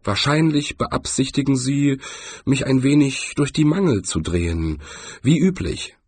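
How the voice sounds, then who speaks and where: A man's voice: medium pitch, animated, a little slow, darkish tone, husky, dry recording, pitched above the performer's own voice. A man voicing a grumbling, unimpressed dwarf jeweller in a storybook, talking in a dry, matter-of-fact way. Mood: dry, resigned.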